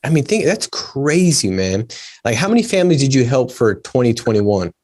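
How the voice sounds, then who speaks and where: A man in his thirties hosts a podcast with chatty enthusiasm. His voice sits in a middle pitch, and he keeps calling his guest "man" and "dude". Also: sing-song, normal speed, darkish tone. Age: 30s. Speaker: podcast host. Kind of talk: casual podcast interview.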